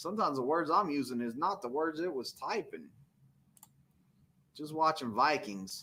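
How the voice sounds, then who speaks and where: A man with a Southern accent speaks at a fairly high pitch, his bright, sharp tone carrying vocal fry and lively intonation, broken by long, frequent pauses. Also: moderate pace. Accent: own Southern way of talking. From US South. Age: 20s. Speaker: truck driving instructor and streamer. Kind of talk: live stream chat answering viewer questions. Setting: live stream. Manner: casual.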